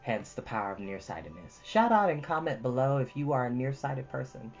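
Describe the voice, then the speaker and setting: A woman's voice: rumbling low, animated, a little fast, a little mellow. A woman hosting a storytime, chatting casually and reading expressively in an earnest, encouraging way. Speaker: storytime host and reader. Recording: dull lo-fi audio with music behind.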